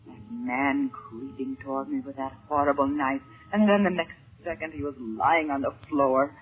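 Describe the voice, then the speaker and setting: A woman's voice: rumbling low, moderate pace. An actress playing a frightened, earnest white woman held captive, in a melodramatic 1930s radio serial style. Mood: anxious, haunted. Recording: scratchy, muffled 1930s radio recording.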